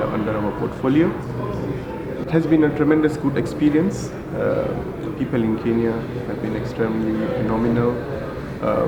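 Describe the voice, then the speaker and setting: A man from India, in his forties, answering interview questions as a hotel group general manager, halting with many fillers and restarts. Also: medium pitch, gravelly. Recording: echoey room with loud ambience.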